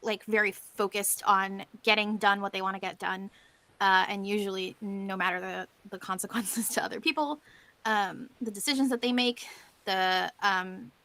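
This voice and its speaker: A woman's voice: medium pitch, steady tone, moderate pace, sharp tone. A woman giving an informal conference presentation as a panelist, explaining things in a conversational way.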